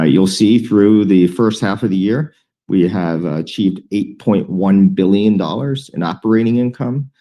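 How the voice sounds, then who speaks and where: A man with a deep, dark-toned voice delivers an earnings presentation as a company executive. He speaks in a measured and deliberate way, often pausing to find the next phrase. The timbre stays relaxed and low. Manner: measured, deliberate, with frequent hesitant pauses.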